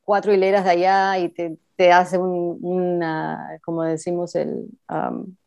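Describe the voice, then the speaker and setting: Low, mellow woman with a mixed Cuban-Argentine accent. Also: flat delivery, measured pace, vocal fry, clean tone. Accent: mixed Cuban and Argentine Spanish. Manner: hesitant, many fillers, mixes in English phrases. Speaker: interview guest. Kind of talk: casual conversation. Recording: dull lo-fi recording.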